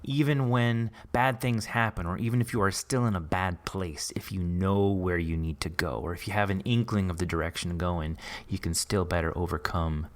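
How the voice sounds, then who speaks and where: A man's voice: deep voice, normal speed, hardly any pauses. A man hosting a casual, conversational interview in an encouraging, affirming way. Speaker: podcast host interviewing an author.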